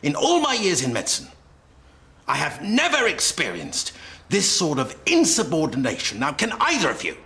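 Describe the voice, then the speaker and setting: An actor playing a pompous, theatrical doctor with a British accent in a naturalistic TV drama. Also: male voice, medium pitch, fairly bright tone. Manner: theatrical, mock-indignant, wordy. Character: pompous, jokey new male doctor at a surgery.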